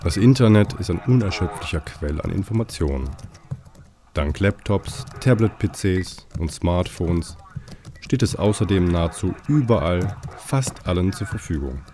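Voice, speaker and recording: A man's voice: deep voice, expressive, unhurried. A man narrating a radio drama and playing a police dispatcher, with dry, sarcastic remarks.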